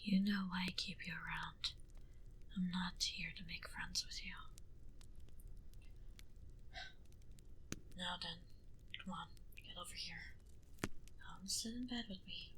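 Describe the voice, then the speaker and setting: A woman playing an aloof, condescending centuries-old vampire in an ASMR roleplay, speaking in a soft breathy whisper with slow, deliberate haughtiness. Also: lowish voice, close to an everyday voice, rough recording.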